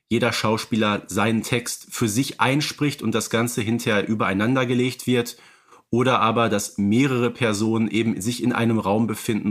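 Man, analytical podcast co-host. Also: on the low side. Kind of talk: conversational podcast discussion.

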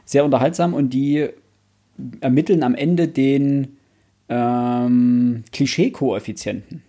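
A man's voice: medium pitch, steady tone, takes it slowly, dark tone. A man talking casually about a book as a podcast co-host, explaining and listing examples.

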